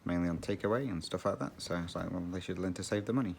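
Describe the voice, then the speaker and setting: A man's voice: low voice, quick pace, vocal fry, a little hiss or hum. A man hosting a cross-stitch channel, chatting casually and rambling while he stitches, often laughing.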